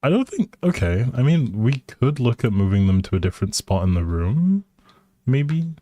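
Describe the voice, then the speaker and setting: A man's voice: medium pitch, big pitch swings, moderate pace, dark tone, no echo. A man live streaming a video game with casual, hesitant commentary, thinking aloud and often trailing off. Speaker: live streamer playing a life simulation game.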